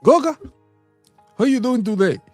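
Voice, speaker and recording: A middle-aged Trinidadian man with a Trinidadian accent and a very high voice co-hosts a casual chat, animated and quick to laugh, full of fillers and restarts. Faint music plays behind him, with no echo.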